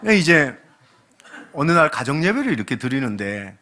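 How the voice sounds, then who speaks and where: A man in his late forties, a guest pastor delivering a sermon with humorous, animated storytelling. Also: fairly high pitch, normal speed. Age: late 40s. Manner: animated, humorous storytelling that acts out quoted dialogue.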